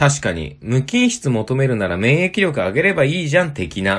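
A man's medium-pitched voice with very wide pitch swings and vocal fry, at a moderate pace, on a very clean recording with a silent background. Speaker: online seller instructor. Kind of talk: casual solo audio diary talk. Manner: explanatory, conversational.

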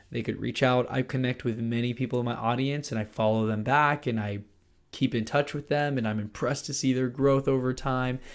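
On a very clean recording with a silent background, a man speaks at a fairly quick pace in a medium pitch with fairly even intonation. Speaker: podcast host. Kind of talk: solo monologue. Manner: used to be monotone, now fairly eloquent.

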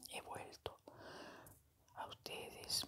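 The pace is very slow. Loud background noise fills the recording. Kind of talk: spoken prayer and invocation. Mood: calm, devout. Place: home room.

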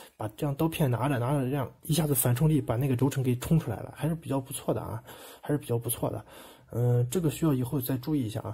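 A man's medium-pitched, dark, mellow voice comes out somewhat breathy at a very fast pace, with fairly even intonation. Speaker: knife review vlogger. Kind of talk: casual monologue video. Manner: rambling, repeats phrases.

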